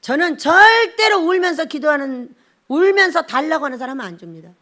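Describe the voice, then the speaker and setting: A woman's voice: high-pitched, big pitch swings, fairly quick, sharp tone. A woman pastor giving a blunt, scolding sermon and acting out little scenes as she preaches.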